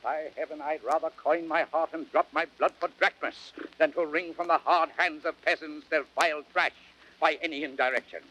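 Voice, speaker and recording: An actor playing a proud, stern, honour-bound Roman general, declaiming measured verse in a classical Shakespearean audio drama. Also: male voice, on the high side, steady tone, sharp tone. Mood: indignant, scornful. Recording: noisy vintage drama record.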